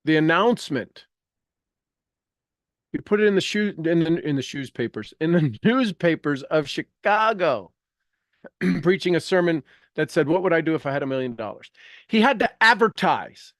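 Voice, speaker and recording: A man's voice: on the high side, lively intonation, moderate pace, pauses often, no echo, studio quality. A man giving an informal, emphatic motivational lesson, reading aloud and breaking off into rambling asides, often repeating phrases for effect. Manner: rambling, self-interrupting. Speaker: motivational teacher reading and commenting on a self-help book. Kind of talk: informal live teaching with read-aloud passages and asides.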